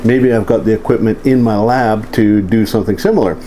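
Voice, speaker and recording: A man with a fairly low voice talks through an informal hands-on demonstration. He speaks haltingly, thinking aloud as he works. The amateur indoor recording carries a faint steady hum. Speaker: electronics hobbyist presenting a how-to. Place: indoors, home office. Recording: hissy air-conditioner hum, amateur audio.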